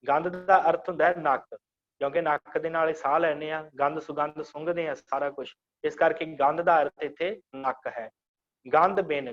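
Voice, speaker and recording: A man teaching an online scripture class, reciting verse lines slowly and then patiently explaining each word. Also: a little high, lo-fi sound.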